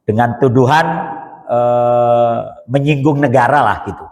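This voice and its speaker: A man's voice: mid-range voice, steady tone, unhurried, a little mellow. A man preaching a sermon, telling stories with humor and chatty asides to the audience. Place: mosque hall. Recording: long reverb of a hall.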